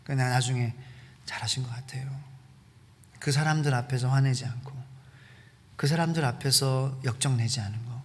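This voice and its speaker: A man pastor preaching a sermon, animated, acting out quotes and asking the congregation questions, in a reverberant church hall. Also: medium pitch, moderate pace, pauses often. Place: church sanctuary.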